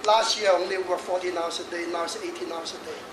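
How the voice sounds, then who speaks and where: A man's voice: sits high, steady tone, quick pace, distant mic. A man in his sixties, a feng shui master giving a jokey talk to an audience, laughing often and chatting between points. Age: 60s. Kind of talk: lively lecture to an audience. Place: hall in front of an audience. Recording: echoey hall audio from afar with noise.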